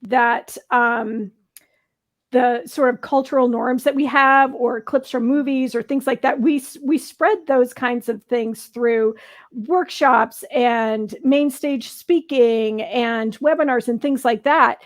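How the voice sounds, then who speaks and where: High-pitched woman co-hosting a talk show. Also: steady tone, slow pace. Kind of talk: casual panel discussion.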